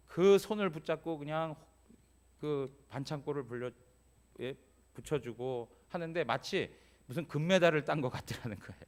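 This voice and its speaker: A male pastor preaching a Sunday sermon in a church. His voice sits a little high for a man. He talks to the congregation like a neighbour, tossing them quick questions as he goes. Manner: conversational preaching, frequent "예?" prompts to congregation. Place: church sanctuary.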